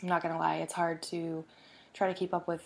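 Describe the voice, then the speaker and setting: A woman hosting a podcast in a casual, upbeat way, her voice hoarse from being sick, recorded in a home basement. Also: lowish voice, level tone, brisk. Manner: chatty and upbeat, with many fillers. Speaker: podcast host. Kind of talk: casual podcast chat and phone interview.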